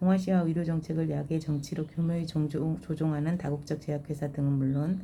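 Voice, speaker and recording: A woman with a very deep, low pitch speaks at a fairly quick pace in a dark, mellow, somewhat breathy tone with monotone, flat intonation. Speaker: book reader on own channel. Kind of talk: reading aloud; casual chat. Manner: occasional stumbles in pronunciation.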